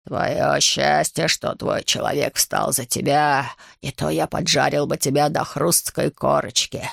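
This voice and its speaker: A storybook reader voicing a huge menacing male night dragon, speaking in a slow, threatening, half-whispered growl. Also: little pitch movement, gravelly, fairly bright tone, dry recording, studio quality, full character voice. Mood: grudging. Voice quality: low rumbling growl.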